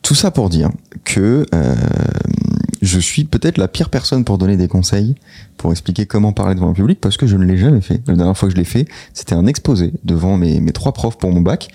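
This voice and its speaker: A man co-hosting a podcast in casual chat, teasing with deadpan self-mockery and reading out notes. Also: sits low, fairly quick, husky. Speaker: podcast co-host.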